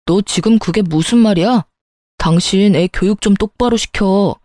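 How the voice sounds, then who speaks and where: A woman voicing a stubborn, short-tempered middle-aged father who shouts and bullies indignantly in a storytelling reading. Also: mid-range voice, normal speed, no room sound, clean studio sound, close to an everyday voice. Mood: angry.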